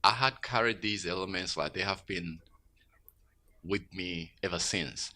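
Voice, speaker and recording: A man from Tanzania, a guest musician, talking in a radio studio interview, reflective and growing emphatic when excited. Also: low-pitched, a little slow.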